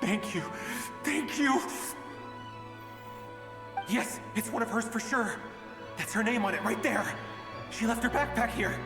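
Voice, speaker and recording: A man voicing a video game father searching for his lost daughter, emotional and halting as he speaks. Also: very high-pitched. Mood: hopeful recognition. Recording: roomy long reverb, music behind.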